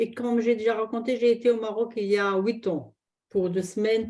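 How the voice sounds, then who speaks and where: Speaking at a moderate pace in a German accent, a woman holds a fairly high pitch with fairly even intonation. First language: German (speaking French). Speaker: trade promotion presenter. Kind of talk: casual chat. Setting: video call.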